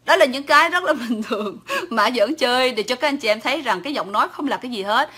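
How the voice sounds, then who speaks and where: A woman's voice: on the high side, lively intonation, quick pace, pushed and bright, slightly rough. A woman with a Southern Vietnamese accent, chatting casually on a livestream and answering viewers' comments, talkative and teasing, laughing often. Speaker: livestream host.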